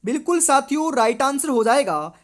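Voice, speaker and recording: A woman from India leads an exam-prep lesson in a fairly high voice. She reads each question and its options aloud. She confirms every answer with the same stock phrases. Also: very animated, moderate pace. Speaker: teacher.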